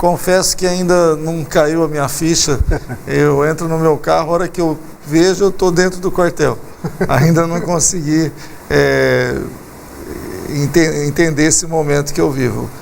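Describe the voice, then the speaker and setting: Fairly slow speech with long, frequent pauses and fairly even intonation over noticeable background noise. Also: man, fairly high pitch for a man. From Brazil, São Paulo state interior, São José do Rio Preto. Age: 40s. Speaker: retired military police colonel. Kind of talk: TV studio interview. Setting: TV studio.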